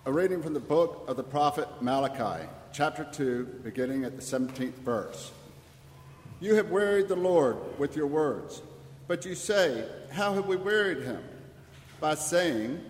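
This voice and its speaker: A man reading scripture aloud at a church service in a formal, measured, declamatory way. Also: on the high side, animated, a little hiss or hum. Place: large church. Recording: very echoey church, long reverb.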